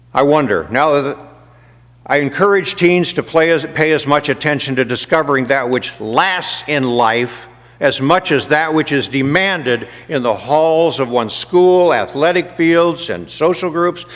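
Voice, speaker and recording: With noticeable background noise, a man with an American accent speaks at a fairly high pitch with ordinary pitch variation. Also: fairly slow pace. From US Midwest, Illinois. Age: 70s. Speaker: guest pastor. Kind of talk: sermon. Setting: church.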